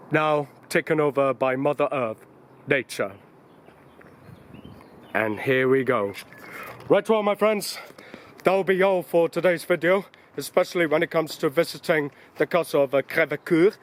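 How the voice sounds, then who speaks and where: A man walking and climbing around old castle ruins outdoors, chatting casually to his camera with frequent ums and uhs as he thinks aloud. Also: on the high side. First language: English. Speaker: vlogger. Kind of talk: casual travel vlog narration.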